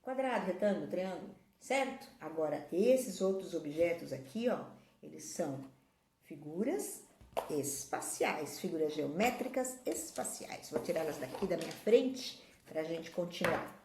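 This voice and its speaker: A woman's voice: on the low side, lively intonation, normal speed, few pauses, noisy background. A woman teaching a children's math lesson, patiently explaining shapes while pointing at objects. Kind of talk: classroom video lesson. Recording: echoey room.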